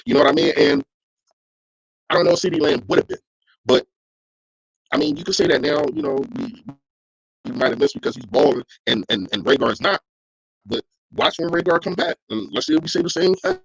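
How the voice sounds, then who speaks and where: A man in casual sports podcast talk, speaking in a medium-pitched voice. He argues his points with emphatic, slangy conviction. He keeps answering his live chat as he talks. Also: huge pitch swings, a little fast, gravelly, pauses often, breathy edge, low-quality recording.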